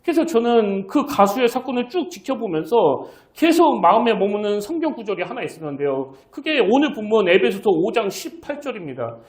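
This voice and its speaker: A man's voice: sits high, big pitch swings, fairly quick, hardly any pauses. A middle-aged man, a senior pastor, preaching a sermon earnestly, asking the congregation rhetorical questions. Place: church sanctuary. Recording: echoey church sanctuary.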